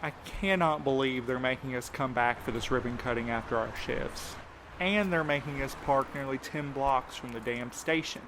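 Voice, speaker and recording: A weary male night worker played by an actor, mid-pitched and sardonic, grumbling through audio drama dialogue. There is a faint bed of noise behind him. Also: normal speed, a bit bright, close to an everyday voice. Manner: sardonic, complaining.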